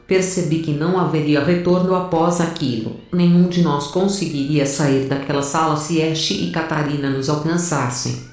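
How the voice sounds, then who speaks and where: A woman's voice: low-pitched, darkish tone, heavy reverb, far from the mic, natural voice. An actress playing a bold, brash female space first officer in an audio drama. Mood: grave narration. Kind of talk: audio drama narration and dialogue.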